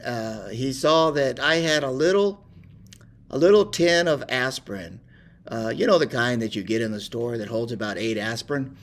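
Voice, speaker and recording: An older man telling a personal story in a rambling, unhurried way with many pauses and fillers. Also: mid-range voice. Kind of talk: casual spoken reminiscence.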